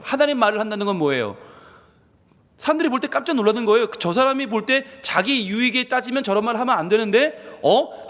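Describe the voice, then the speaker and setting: Lively preaching pastor in a reverberant church. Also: male voice, sits high. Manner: lively preaching, asks the congregation questions. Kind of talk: early-morning sermon. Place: church sanctuary.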